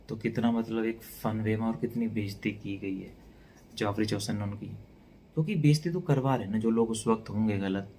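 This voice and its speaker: A man teaching a relaxed exam-prep lecture, mixing Hindi with English and speaking calmly and softly. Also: on the low side, a little hiss or hum. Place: indoors at night.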